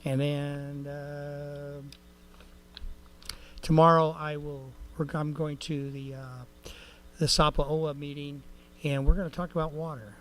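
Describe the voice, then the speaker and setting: A man's voice: on the high side, level tone, unhurried, long pauses. A man giving a rambling, folksy report at a city council meeting, with many fillers and restarts. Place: council chamber.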